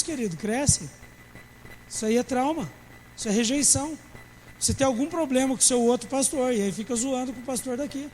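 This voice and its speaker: A man's voice: very high voice, big-room sound, slight background noise, poor audio. A man, a pastor preaching a sermon with humor and acting out church members in dialogue. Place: church service.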